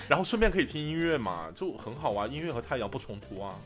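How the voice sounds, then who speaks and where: A man from Sichuan, China, co-hosting a podcast and telling a trip story in casual chat, animated and often laughing. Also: medium pitch, a little fast. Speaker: podcast co-host.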